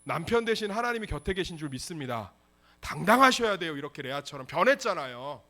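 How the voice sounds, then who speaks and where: A male pastor preaching an animated sermon, often acting out little dialogues. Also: fairly high pitch, fast. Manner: animated, acts out dialogues in voices.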